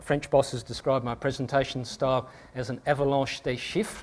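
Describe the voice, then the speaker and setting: A man speaks at medium pitch with a strong Australian accent. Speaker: energy analyst. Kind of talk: conference talk. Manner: fast; casual, joking.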